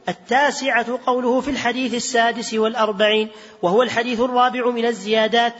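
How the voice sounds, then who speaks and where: Guy with a really high voice reading a text out quick, long reverb in a big mosque hall, dull old recording. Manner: steady recitation, self-correcting slips. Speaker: student reader. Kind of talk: reading a text aloud to a teacher.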